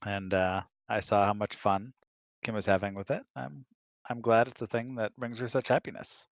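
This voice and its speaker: A man with a slightly low voice answers questions in a casual chat. He is laid-back and dryly funny, pausing to think, with a close, dry sound. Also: steady tone, creaky, no echo. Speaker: husband of the host, guest.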